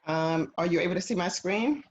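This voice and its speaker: A woman's voice: fairly low pitch, brisk, slight background noise. A woman teaching an English conversation class over a video call, patient and encouraging. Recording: dull lo-fi video call audio.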